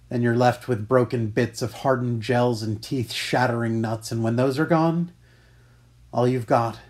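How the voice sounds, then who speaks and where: A man playing a jaded, cynical middle-aged conspirator in a weary, sardonic dramatic monologue. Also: close to an everyday voice. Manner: weary, sardonic, low-key. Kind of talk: dramatic monologue for voice-over demo.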